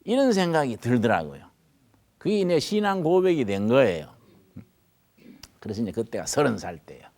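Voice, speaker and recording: An older male pastor with a Gyeongsang Korean accent, telling stories in a folksy sermon, swinging from hushed asides to loud emphatic bursts. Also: mid-range voice, huge pitch swings, moderate pace, long pauses. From North Gyeongsang, Korea. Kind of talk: storytelling sermon.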